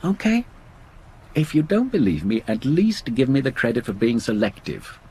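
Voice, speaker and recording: Exasperated sceptical husband, animated. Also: male voice, mid-range voice, normal speed, breathy edge, exaggerated voice. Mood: weary, defensive. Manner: irritable, sardonic. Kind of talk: radio horror play acting. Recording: noisy 1980s radio drama recording.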